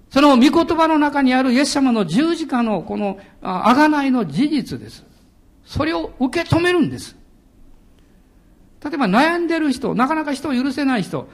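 A middle-aged male pastor delivering a sermon in a strikingly high voice. His pitch leaps around in lively swings, and he laughs readily and bursts into shouted hallelujahs.

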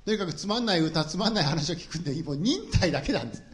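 A middle-aged man preaches a sermon in a quick, animated delivery. His slightly high voice rises and falls freely as he shares humorous personal stories with the congregation. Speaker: pastor.

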